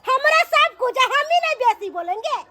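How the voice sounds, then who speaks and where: A woman with a Maithili accent playing a sharp-tongued, bossy sister-in-law who taunts and bickers. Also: very high-pitched, lively intonation, normal speed, exaggerated voice. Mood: bickering.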